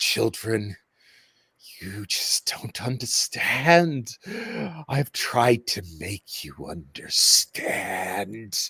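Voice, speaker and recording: In a put-on character voice of medium pitch, a man speaks at a very slow pace. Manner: mocking, chiding.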